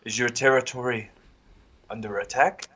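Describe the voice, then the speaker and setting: A man playing a courteous, diplomatic adventurer in a tabletop game, with formal, measured and polite phrasing. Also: mid-range voice, steady tone, a bit bright, husky, lo-fi sound. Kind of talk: tabletop game role-play.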